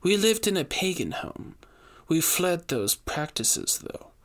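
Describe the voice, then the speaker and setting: A man's voice: high-pitched, sing-song, takes it slowly, voice pushed up, full character voice. A man reading a storybook, voicing an anxious widow who pleads for help with an urgent manner.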